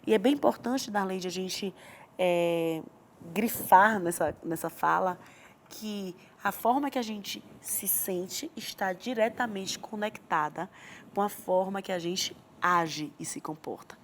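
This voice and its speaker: Brazilian woman, guest expert, earnest explainer, mid pitch. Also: slow, slight background noise. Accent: Brazilian Portuguese. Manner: earnest, acts out parent and child lines. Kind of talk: explanatory interview talk.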